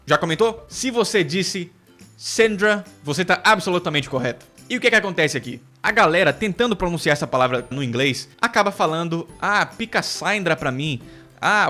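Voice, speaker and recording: Bright-voiced man teaching pronunciation. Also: high voice. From United Kingdom. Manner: explanatory, repeats words slowly to model pronunciation. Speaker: English teacher. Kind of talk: online English lesson.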